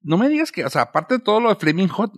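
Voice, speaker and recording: A man with a Mexican Spanish accent chatting casually from home, animated and full of slang. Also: high-pitched, fast, no room sound, clean studio sound. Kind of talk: casual podcast chat. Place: home room.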